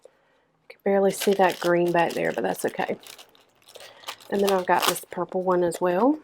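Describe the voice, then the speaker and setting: A young woman with a hoarse, stuffed-up voice chatting casually through a planner-decorating vlog. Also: on the low side, level tone, darkish tone, a little hiss or hum, rough recording. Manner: chatty, lots of ums, unhurried. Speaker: planner vlogger. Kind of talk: casual plan-with-me narration.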